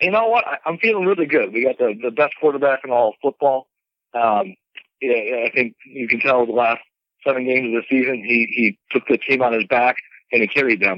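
In an American accent, a plain, everyday voice moves at a fairly quick pace with ordinary pitch variation. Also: man, medium pitch for a man. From Wisconsin, Milwaukee. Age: 30s. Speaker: small business owner, military veteran. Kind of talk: radio interview. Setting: phone call.

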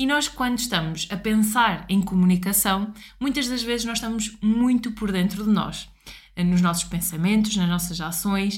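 In a European Portuguese accent, a woman with a medium-pitched, somewhat breathy voice talks at a moderate pace with ordinary pitch variation. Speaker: communication coach, podcast host. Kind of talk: solo podcast monologue. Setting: studio.

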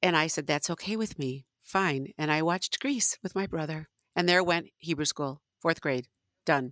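A normal speaking voice with ordinary pitch variation comes at a moderate pace in a dry, close sound with no echo, on a very clean recording with a silent background. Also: woman, fairly low pitch for a woman. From Chicago area, US Midwest. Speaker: teacher. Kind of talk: interview, personal life story.

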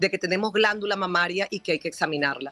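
A woman's normal speaking voice at a medium pitch, with fairly even intonation and a dry, close sound free of echo. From Venezuela. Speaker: doctor, breast imaging specialist. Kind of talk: interview.

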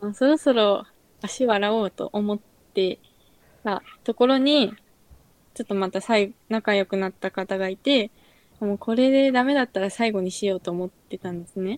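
Woman at medium pitch, moderate pace with long, frequent pauses, ordinary pitch variation, dry, close sound with no echo, very clean recording, silent background. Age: 20s. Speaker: nurse and podcast host. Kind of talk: casual chat.

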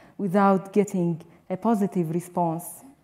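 In a very clean recording with a silent background, a woman speaks at a moderate pace with an Arabic accent. Her medium-pitched voice has a dark, mellow tone and fairly even intonation. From Syria. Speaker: violinist and refugee. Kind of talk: prepared speech. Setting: stage with audience.

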